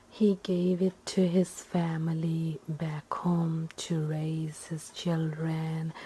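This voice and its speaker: A woman tells a story in a low, mellow voice, often slipping into a whisper. She takes her time, pausing and circling back over simple phrases in a gentle ASMR style. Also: breathy edge. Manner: halting, rambling, repetitive, simple wording. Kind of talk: ASMR ghost storytelling, whispered and soft-spoken.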